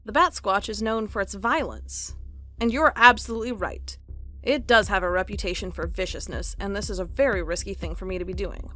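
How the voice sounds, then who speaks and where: A woman's voice: mid-range voice, fairly bright tone, close to an everyday voice. A woman playing a wry young office worker in an audio drama, talking casually and reading aloud in a conversational way.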